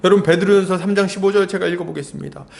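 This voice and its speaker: Male pastor with a high-set voice, animated preaching full of rhetorical questions and sudden shouted quotes. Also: racing, vocal fry. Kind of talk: Sunday sermon.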